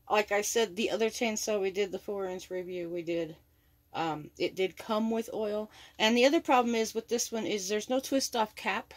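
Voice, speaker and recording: A woman giving a chatty, upbeat unboxing review of a tool in her home workshop, talking from behind the camera. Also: medium pitch. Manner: chatty, upbeat, repeats praise. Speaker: product reviewer.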